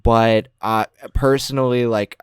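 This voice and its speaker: A man's voice: medium pitch, steady tone, measured pace, clear, resonant tone, no echo, studio quality. A young man from Arizona co-hosting a podcast, talking in a laid-back, hedging way. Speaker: podcast co-host. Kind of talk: casual podcast chat.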